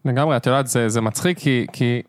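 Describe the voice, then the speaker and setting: A man hosting a podcast, reflecting on his own habits in casual chat and thinking out loud. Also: mid-range voice, dry recording, clean studio sound. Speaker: podcast host.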